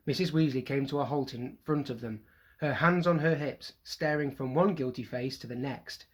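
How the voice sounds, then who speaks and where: A teacher reading a children's novel aloud to a primary school class in lively storytelling style. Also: mid-range voice, moderate pace.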